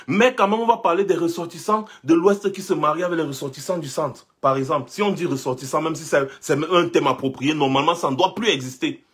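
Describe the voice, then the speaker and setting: A young man from Cameroon holds forth in a passionate monologue, pressing his points again and again with rhetorical questions. His voice sits high and has a husky edge. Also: fast talker, few pauses, fairly bright tone. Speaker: commentator. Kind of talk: impassioned monologue.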